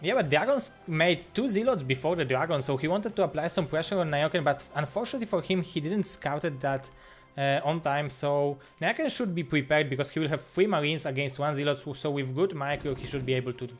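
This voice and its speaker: A man from Poland who speaks Polish natively, co-casting a strategy game in halting speech with repeated words and non-native phrasing. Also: a little high, faint music behind. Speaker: co-caster. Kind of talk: esports commentary.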